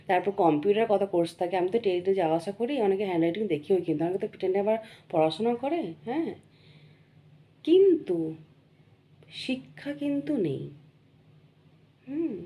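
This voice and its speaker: Hoarse young woman, earnest preachy vlog. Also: medium pitch, warm tone. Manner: earnest, preachy, keeps checking in with the listener. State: hoarse from a cold. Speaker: vlogger. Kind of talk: casual monologue to camera.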